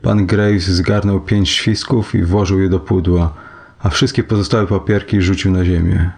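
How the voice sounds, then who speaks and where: A male narrator reads a short story aloud in a low, gravelly, husky voice. His delivery is measured and even, a steady audiobook telling.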